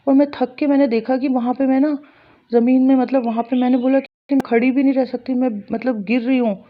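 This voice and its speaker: A woman recounts a personal spiritual experience straight to her audience, her voice sitting a little high. She tells it earnestly and circles back over the same phrases. The recording sounds dull and lo-fi. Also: flat delivery, brisk. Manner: earnest, repetitive, intense retelling. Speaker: spiritual storyteller. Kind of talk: personal story told to viewers.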